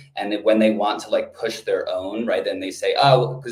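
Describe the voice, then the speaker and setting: A man is heard over noticeable background noise. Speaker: startup co-founder. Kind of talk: interview. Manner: fast.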